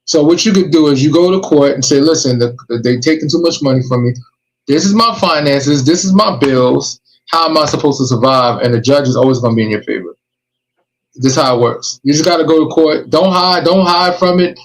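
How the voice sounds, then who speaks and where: A man's voice: a little high, brisk, low-quality recording. A man hosting a podcast, giving emphatic, streetwise warnings and advice in casual chat. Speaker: podcast host.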